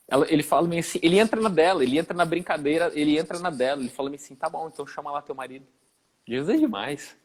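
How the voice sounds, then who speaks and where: A man on a live Bible discussion, telling the stories in a lively, slangy way and acting out the quoted dialogue. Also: medium pitch. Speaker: guest Bible teacher.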